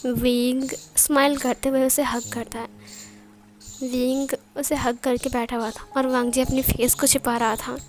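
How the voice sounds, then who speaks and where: Woman, high voice, casual storyteller, fan fiction romance, faint background music. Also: flat delivery, unhurried, darkish tone. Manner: conversational storytelling with frequent restarts. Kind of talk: reading a romance story aloud, voicing all characters.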